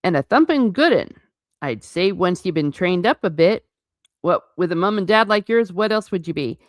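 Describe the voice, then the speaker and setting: A woman voicing a big, gruff, blustering male half-giant gamekeeper from a storybook, with booming, indignant, folksy speech. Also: animated, normal speed, dry recording, clean studio sound, close to an everyday voice. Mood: hearty. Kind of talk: storybook character voice.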